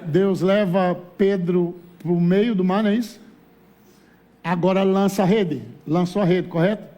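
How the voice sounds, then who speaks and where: A man with a Brazilian Portuguese accent preaching a lively, humorous sermon at a church conference. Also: sits high, unhurried. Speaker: pastor.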